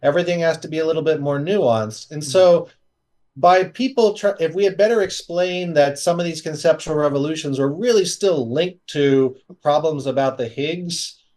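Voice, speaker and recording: Interview guest: man with a fairly high voice, earnest and explanatory. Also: normal speed, darkish tone. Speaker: guest physicist. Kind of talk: casual interview talk.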